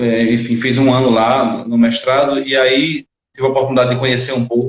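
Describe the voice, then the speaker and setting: Talking at a fairly quick pace, a man with a medium-pitched voice keeps a monotone, flat intonation and a very even loudness. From Brazilian Northeast sertão, Patos, Paraíba. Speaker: philosophy professor. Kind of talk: interview answers. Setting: online live stream.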